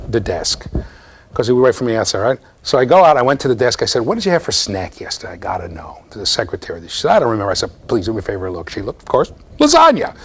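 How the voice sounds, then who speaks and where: A man's voice: mid-range voice, slightly rough. A man in his fifties giving a university lecture in a classroom, explaining eagerly and often checking in with "okay?" and "right?". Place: classroom with bookshelves.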